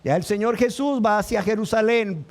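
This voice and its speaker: A man preaches from the pulpit in a high-pitched voice. He delivers his sermon with passion and urgency, often taking on the voices of the people in the story he tells. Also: moderate pace. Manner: impassioned preaching, acting out voices of the crowd and the blind man. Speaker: pastor.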